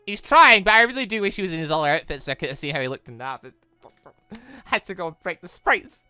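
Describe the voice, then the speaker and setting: A man's voice: high voice, expressive, fast, pushed and bright, smooth. A man hosting a casual visual novel playthrough, commenting as he goes, with game music behind him. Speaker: gaming video host.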